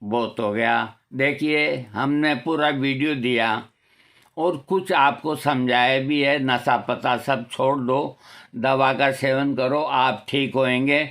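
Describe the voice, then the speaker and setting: A man's voice: mid-range voice, slow pace, fairly bright tone. An older man giving a preachy, scolding talk with rhetorical questions, as a homeopathy vlogger. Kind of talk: moral talk to camera.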